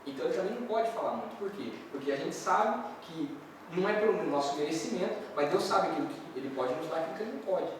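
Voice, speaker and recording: Pastor guy preaching, kinda high voice, lots of repeating and rhetorical questions, big echoey church from far off. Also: animated, quick pace, slight background noise. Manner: repetitive, with many rhetorical questions. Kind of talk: sermon. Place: large echoey church hall. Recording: very echoey hall, voice heard from far off.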